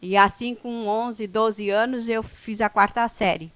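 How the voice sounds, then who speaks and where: A woman's voice: a little high, fairly even intonation, a bit bright, no room sound. Indigenous brazilian woman telling her story, easygoing and chatty, keeps asking né, dry close sound. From São Paulo coast, Brazil. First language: a Brazilian indigenous language. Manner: unhurried, conversational, with frequent "né?" tags and restarts. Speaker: indigenous speaker at an event. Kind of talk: personal life story told to an audience.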